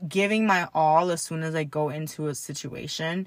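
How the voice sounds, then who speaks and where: A woman in an unremarkable speaking voice talks at a fairly slow pace with ordinary pitch variation. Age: 20s. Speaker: podcast host. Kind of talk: casual spiritual monologue.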